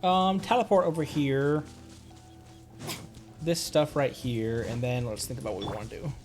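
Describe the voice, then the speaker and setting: A man's voice: mid-range voice, normal speed, a little mellow, faint music behind. A man chatting casually on a live game stream, thinking aloud in a rambling way with silly little interjections. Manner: playful, silly interjections and nonsense words.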